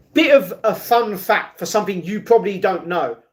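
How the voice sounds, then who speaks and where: Lively intonation at a moderate pace, in an English accent. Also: man. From England. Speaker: live streamer. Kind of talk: casual chat reading live comments.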